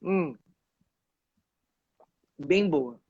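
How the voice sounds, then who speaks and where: A woman's voice: low-pitched, very slow, slightly rough. A woman from Pernambuco, an actress, chatting expressively as an interview guest. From Pernambuco, Brazil. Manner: animated, expressive storytelling. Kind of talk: casual interview chat. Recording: dull, dry lo-fi sound.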